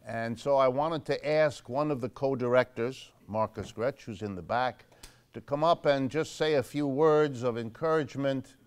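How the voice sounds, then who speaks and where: An older man hosting a monthly public talk in a church, introducing sponsors in a relaxed way with dry jokes and frequent fillers. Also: medium pitch, moderate pace, clear, resonant tone. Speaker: host of a monthly public lecture event. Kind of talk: casual spoken introduction to a live audience. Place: church hall before a seated audience.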